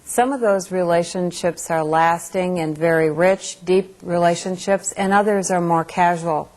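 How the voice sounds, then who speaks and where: A woman instructor delivering an instructional lecture in a measured, explanatory way. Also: lowish voice, fairly even intonation, a little mellow.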